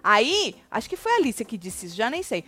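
A woman's voice: fairly high pitch, sing-song, fairly quick, sharp tone, husky. A woman co-hosting a casual web show about a reality program, retelling events in a chatty, dramatic way. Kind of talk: casual gossip commentary.

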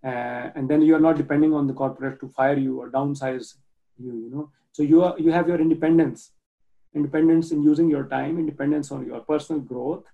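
A man from Pakistan talking earnestly about his nonprofit work as a guest on a video call, halting often with restarts and fillers. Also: fairly high pitch, fairly even intonation, vocal fry, phone-quality sound. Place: home in Germany.

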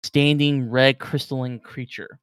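Smooth-voiced male game master. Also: medium pitch, a little slow, no room sound, studio quality. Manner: relaxed, describes creatures with filler words. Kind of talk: running a tabletop game.

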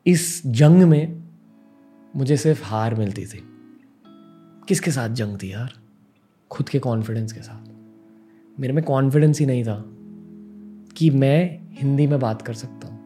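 A man's voice: mid-range voice, measured pace, pauses often, warm tone, faint music behind. Earnest young man telling his story. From Mumbai, India. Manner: earnest, reflective, mixing English words into Hindi. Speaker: podcast host. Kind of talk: personal storytelling monologue.

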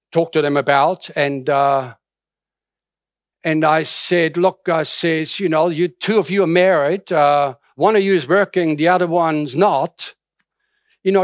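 Austrian-born man preaching in a higher voice. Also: no echo, studio quality. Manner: conversational preaching with frequent restarts and fillers. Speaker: pastor. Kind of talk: sermon.

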